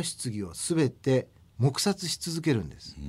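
This is a very clean recording with silence in the background. The voice moves through very wide pitch swings. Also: man. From Tokyo, Japan. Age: 50s. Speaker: literary critic. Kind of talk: radio interview discussion.

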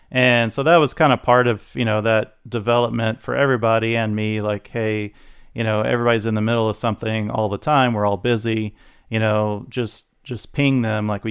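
The speech runs at a fairly quick pace with monotone, flat intonation. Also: man. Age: 40s. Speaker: accounting firm owner. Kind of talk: interview.

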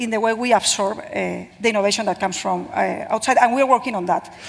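A woman's plain, everyday voice with fairly high pitch, ordinary pitch variation and a fairly quick pace. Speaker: bank executive. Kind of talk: panel discussion. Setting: stage with audience.

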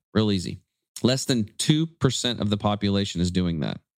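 A man with a normal speaking voice, fairly low in pitch, fairly quick and lively in intonation, on a very clean recording with a silent background. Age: 40s. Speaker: health coach and supplement company founder. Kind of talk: interview.

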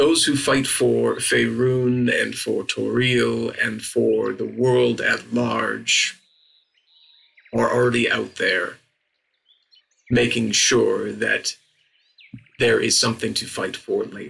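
A man's raspy, put-on character voice, very slow and broken by long, frequent pauses. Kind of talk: fantasy tabletop role-play. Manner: gentle, warm, wise.

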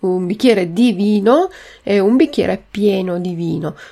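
Her medium pitch and lively intonation carry a dark, mellow tone as this woman speaks. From Italy. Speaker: Italian language teacher. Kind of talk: language lesson podcast. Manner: slow, clear teaching pace.

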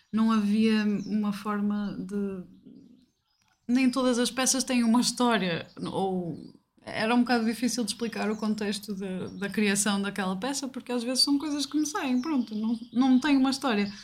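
Somewhat breathy, a woman speaks at a moderate pace and a fairly high pitch with ordinary pitch variation. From Portugal, Chaves (Trás-os-Montes). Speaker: ceramic artist. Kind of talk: casual interview. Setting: pottery studio. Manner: hesitant.

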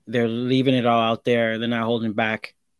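A man speaks with an American accent at a medium pitch. His is a normal speaking voice. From Hartford, Connecticut. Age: 40s. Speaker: woodworker and restoration craftsman. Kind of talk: casual interview.

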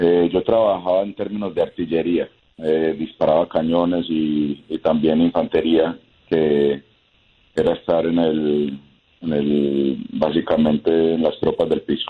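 A man talks at a fairly slow pace in a very deep, low pitch. His intonation is fairly even. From Latin America, immigrated to US. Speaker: war veteran. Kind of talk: interview. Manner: halting.

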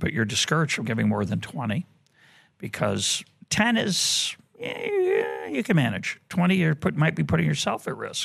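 A man with an American accent talks at a moderate pace. The recording is very clean, with a silent background. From US Northeast, Boston. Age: 60s. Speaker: economist and author. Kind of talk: interview conversation.

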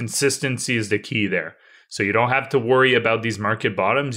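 With fairly even intonation, a man speaks in a bright, sharp tone on a very clean recording with a silent background. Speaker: investing podcast co-host. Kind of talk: casual chat.

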